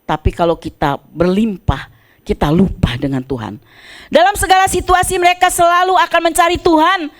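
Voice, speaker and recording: Animated woman preaching a sermon. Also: very high-pitched, moderate pace. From Indonesia. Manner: animated preaching, swinging from soft asides to loud exclamations.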